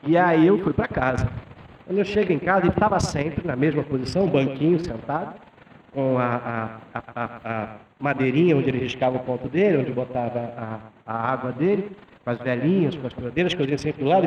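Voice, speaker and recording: A man's voice: medium pitch, a little fast, muffled recording. Middle-aged man lecturing in echoey hall. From Brazil. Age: 50s. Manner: conversational, tags sentences with "né?". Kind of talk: storytelling lecture. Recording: echoey hall from far off with faint noise.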